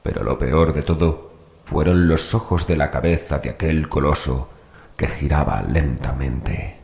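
Deep-voiced man narrating horror. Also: measured pace, vocal fry, a little mellow. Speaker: audiobook narrator. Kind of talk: scripted horror story narration. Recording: roomy echo, faint background noise.

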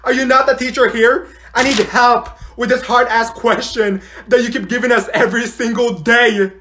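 A woman acts out a mouthy high school girl in a classroom comedy skit. She is grumpy and sassy, with a blunt, complaining way of talking. Her delivery is that of a student who cannot be bothered. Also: fairly even intonation, moderate pace, fairly bright tone, close to an everyday voice. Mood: annoyed, indignant.

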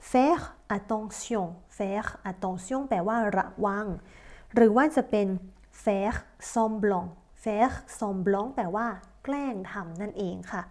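Thai lady teaching a language lesson, slow and careful, polite, stretches out the examples. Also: mid-range voice, a little mellow. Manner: slow, drawn-out model sentences, polite particles. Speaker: French teacher. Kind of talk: language lesson explaining verb conjugation.

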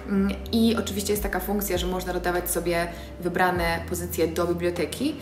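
A woman's voice: lowish voice, level tone, moderate pace. Chatty young woman vlogging at home. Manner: chatty and enthusiastic, with many filler sounds. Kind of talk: casual vlog chat to camera. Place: bright living room at home. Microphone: phone camera on a tripod nearby. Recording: roomy echo with music behind.

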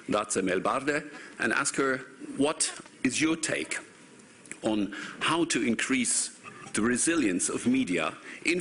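A man's voice: mid-range voice, fairly bright tone, a little hiss or hum. A man, moderating a conference panel and introducing speakers with many ums and restarts. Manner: hesitant, many fillers and restarts. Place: large conference hall, seated at panel table. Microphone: table microphone.

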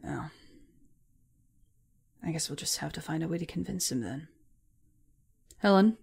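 A menacing female spy chief acted by a woman in an audio drama. Her voice is lowish and husky with plenty of gravel. She threatens with cool, taunting politeness. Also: darkish tone, exaggerated voice. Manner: smooth taunting politeness, deliberate.

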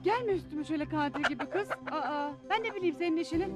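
A woman's voice: high-pitched, quick pace, natural voice. A woman playing a grumpy older sister who scolds in a sitcom. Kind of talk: TV sitcom acting. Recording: TV episode with loud music underneath.

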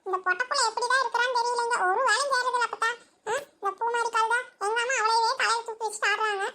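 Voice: very high voice, steady tone, quick pace, sharp tone, slight background noise, full character voice. A voice actor playing a scheming teenage grandson who whines and tells tales in a comedy cartoon. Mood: whining, tattling. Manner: whiny and pleading. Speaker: cartoon character. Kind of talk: cartoon voice acting.

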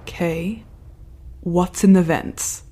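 An actress playing a reflective, anxious woman recording a log in an audio drama, speaking in a measured, literate way. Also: lowish voice, steady tone, mellow, slightly rough, heavily acted. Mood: alarmed. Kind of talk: audio drama monologue and dialogue.

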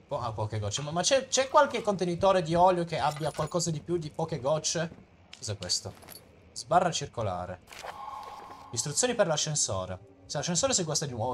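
A man with an Italian accent, jokingly playing a horror game and reading its texts aloud in a dramatic voice. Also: medium pitch. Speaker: let's play gamer.

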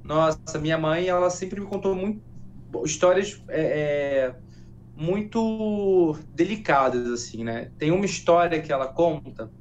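A man telling a folk tale gently and unhurriedly as a guest in a studio interview. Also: fairly high pitch, unhurried, slight background noise. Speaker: guest, educator and storyteller.

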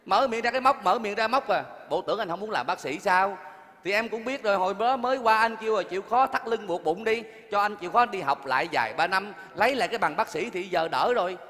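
Brief: whiny henpecked husband in his fifties, high bright voice, stage hall echo. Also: animated, fast talker. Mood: defensive. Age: 50s. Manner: whiny, defensive. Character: henpecked middle-aged cook, former doctor. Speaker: restaurant cook husband. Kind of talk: stage comedy sketch.

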